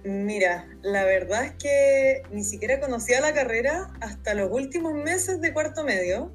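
A Chilean woman in her 20s, a speech therapist appearing as a podcast guest, tells her own story in a casual interview. Her somewhat high voice is expressive, her pace moderate and her speech informal and conversational, with light music in the background.

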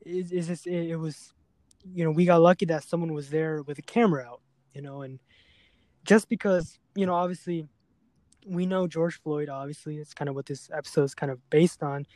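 A man hosting a serious podcast conversation, speaking earnestly and haltingly, often repeating words as he goes. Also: fairly high pitch, steady tone, darkish tone, dry recording. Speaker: podcast host.

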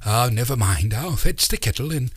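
A man voicing an eccentric, excitable old uncle who rambles in a fussy, theatrical way. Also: medium pitch, normal speed, husky, pitched above the performer's own voice. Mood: flustered.

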